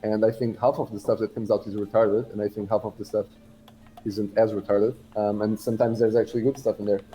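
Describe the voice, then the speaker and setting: A man from Portugal chatting casually as a livestream guest, halting and rambling but blunt in how he talks. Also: on the low side, little pitch movement, warm tone, faint music behind, low-quality recording.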